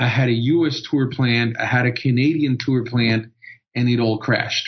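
A man's somewhat breathy, medium-pitched voice at a moderate pace, with flat, monotone intonation. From Costa Rica. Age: 30s. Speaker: blues guitarist. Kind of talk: interview.

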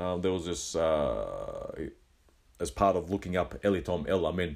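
With an Australian accent, a man talks using lively intonation. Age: 50s. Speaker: health podcaster. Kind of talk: solo podcast monologue. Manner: halting, many fillers.

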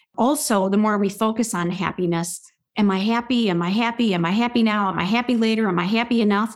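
A woman with a Midwestern US accent talks at a very fast pace and fairly high pitch. Her loudness stays very even, and her pitch varies in an ordinary way. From US Midwest, Michigan. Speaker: sociologist and author. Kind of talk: interview conversation.

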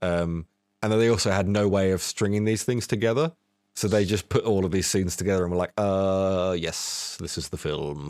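This man's voice is very deep and low, moving at a moderate pace with ordinary pitch variation in a dry, close sound with no echo. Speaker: podcast host. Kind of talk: casual banter, podcast chat. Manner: casual, swears a lot.

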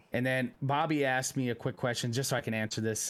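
Very fast in pace, a man with an American accent speaks at a medium pitch with fairly even intonation on a very clean recording with a silent background. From Texas, El Paso. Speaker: streamer, Marine veteran. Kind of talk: casual chat.

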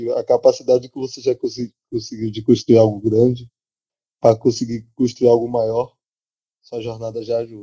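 This man's voice has a dark, mellow tone and is somewhat breathy. His intonation is monotone and flat, while his loudness swings widely. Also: medium pitch for a man, moderate pace, dry, close sound with no echo. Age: 20s. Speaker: startup founder. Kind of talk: interview.

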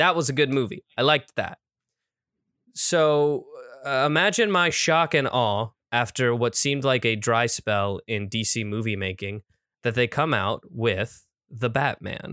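A man's bright, sharp voice with an American accent, medium in pitch, lively in intonation and fairly slow, on a very clean, dry, close recording with no echo and a silent background. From United States. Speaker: podcast co-host. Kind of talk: casual chat. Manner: animated.

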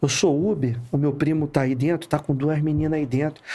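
Fairly high and somewhat breathy, a man's voice moves at a fairly quick pace. The recording is very clean, with a silent background. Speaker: police inspector. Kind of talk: casual chat. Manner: talkative; animated.

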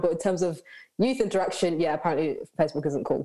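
A woman with a Birmingham accent. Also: very clean recording, silent background. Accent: Birmingham (Brummie). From Birmingham, England. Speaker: youth pastor. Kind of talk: panel discussion.

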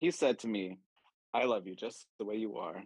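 A man speaks in a plain, everyday voice at a medium pitch. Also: dry, close sound with no echo. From North Carolina, Puerto Rican household. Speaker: community organizer. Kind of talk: casual chat.

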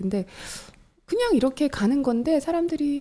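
A woman speaking at a moderate pace, her pitch swinging very widely. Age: 40s. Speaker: podcast host and fitness YouTuber. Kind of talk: live stream casual chat.

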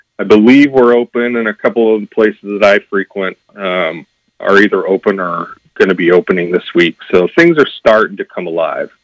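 A man with a normal speaking voice talks at a moderate pace in a fairly low pitch with ordinary pitch variation, hardly pausing, and the sound is dry and close with no echo. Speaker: outdoor footwear company representative. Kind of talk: interview. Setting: phone call.

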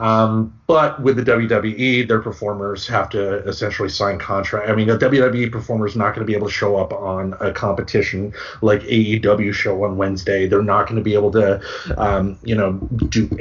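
Noticeable background noise sits behind a man with an Upper Midwest accent, fairly low pitch and fairly even intonation. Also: moderate pace. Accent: Upper Midwest American. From Michigan, Grand Rapids. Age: 40s. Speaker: podcast host. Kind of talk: casual chat. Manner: halting, many fillers and repeats.

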